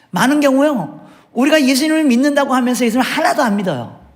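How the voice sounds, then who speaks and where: A man with a very high voice preaches a sermon in a church. He is middle-aged and keeps asking his listeners questions. His delivery swings between full voice and near whispers. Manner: asks the congregation questions, shifts between loud and hushed speech. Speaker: missionary preacher. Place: church sanctuary.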